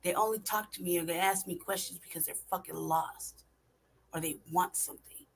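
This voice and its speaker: A lowish, creaky voice with a steady tone moves at a moderate pace, with a little hiss or hum in the audio. The speaker, a California vlogger, talks casually, curses often, presses her points and asks rhetorical questions.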